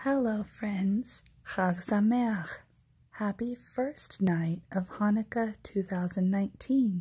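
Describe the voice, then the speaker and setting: A soft-spoken voice at a very slow pace. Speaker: ASMR storyteller. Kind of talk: read story. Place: home room. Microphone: phone near.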